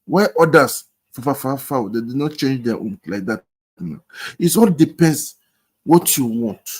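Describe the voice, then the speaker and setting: Husky Nigerian man, emphatic. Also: mid-range voice, expressive, normal speed. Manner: repetitive, emphatic, mixes in pidgin. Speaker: discussion participant. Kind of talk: heated casual debate.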